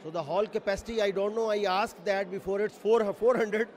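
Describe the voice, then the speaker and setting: A man's voice: high voice, steady tone, brisk, a little mellow. A man, president of a community center, explaining the day's events plainly in an interview.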